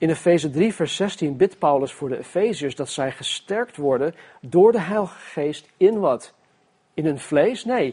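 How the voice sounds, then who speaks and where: A man has an ordinary speaking voice with lively intonation. He talks at a fairly slow pace and a fairly high pitch. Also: big swings in loudness. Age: 50s. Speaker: pastor. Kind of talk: sermon.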